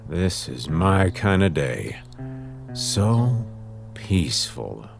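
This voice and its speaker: An exasperated announcer in a comic audio drama, acted by a man. His low voice swings widely in pitch and drags out words slowly for theatrical emphasis, melodramatic and put-upon. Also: sing-song, gravelly, music in the background, heavily acted. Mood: contented. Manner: theatrical, drawn-out emphatic delivery. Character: exasperated, beleaguered male announcer, melodramatic and fed up.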